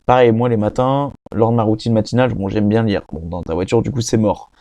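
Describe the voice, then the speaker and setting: Rambling young man, mellow voice. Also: on the low side, fairly even intonation, fairly quick, no echo. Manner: rambling, addresses listener as "mec", frequent fillers and restarts. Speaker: podcast host. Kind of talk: casual self-help monologue.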